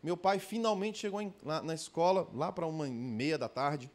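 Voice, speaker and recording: A man's voice: on the high side, normal speed. A man preaching a sermon at a church conference, telling stories animatedly and calling out to the congregation with frequent tag questions. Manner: addresses the congregation directly.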